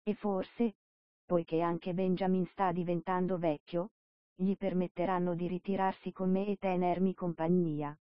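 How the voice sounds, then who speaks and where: A woman's voice: fairly low pitch, flat delivery, unhurried, dry recording, lightly acted. A woman voicing a loyal old male workhorse who speaks feebly, in a storybook reading. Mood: weak resigned. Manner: feeble, weak voice. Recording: dull dry lo-fi recording.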